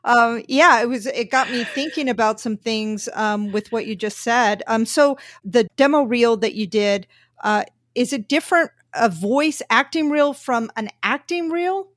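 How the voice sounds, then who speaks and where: Higher-voiced woman host, dry sound. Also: a little slow, a bit bright, no room sound. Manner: curious, asks follow-up questions. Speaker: podcast host. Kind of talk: casual interview questions.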